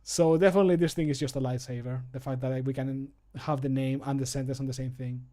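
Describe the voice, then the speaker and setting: A man's voice: mid-range voice, steady tone, quick pace, warm tone. A man in his thirties chatting casually as a streamer while he works. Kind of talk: casual chat while recording voice lines. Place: small home room.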